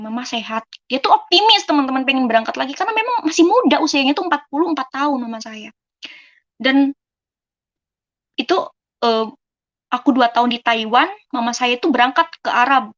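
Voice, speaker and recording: A woman's voice: on the high side, fairly bright tone. A woman in her twenties from Indonesia, telling her own life story to an audience in a casual, conversational way and often turning to the listeners. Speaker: person giving a testimony. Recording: dull lo-fi recording.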